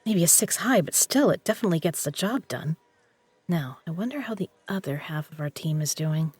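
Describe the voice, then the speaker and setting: A woman's voice: lowish voice, animated, a little fast, darkish tone, husky. A woman playing a tough, guarded poker legend in an audio drama, with a blunt, sardonic way of talking. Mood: hushed commentary.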